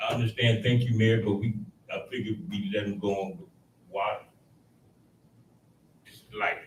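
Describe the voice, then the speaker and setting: A man speaks in a somewhat breathy voice with long, frequent pauses, ordinary pitch variation and big swings in loudness. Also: medium pitch for a man, moderate pace. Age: 60s. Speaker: city commissioner. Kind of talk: public meeting remarks. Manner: animated.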